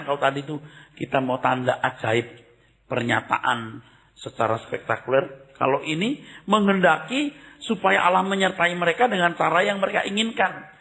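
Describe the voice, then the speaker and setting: Animated older male preacher. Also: a little high. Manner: conversational preaching, swings from loud exclamations to hushed asides. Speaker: pastor. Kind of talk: sermon.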